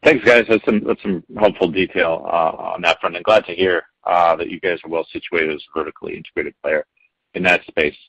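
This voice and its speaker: A man's voice: deep voice, fairly even intonation, fairly quick, gravelly, a bit bright, breathy edge. A man working as a financial analyst, asking wordy, hedging questions on a muffled conference call. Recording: muffled, echoey phone conference line.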